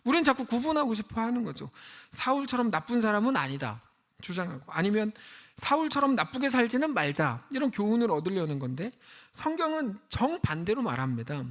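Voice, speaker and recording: Male pastor, high voice, gravelly edge, very lively pitch, casual preaching, acts out quotes. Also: fairly quick. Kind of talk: sermon.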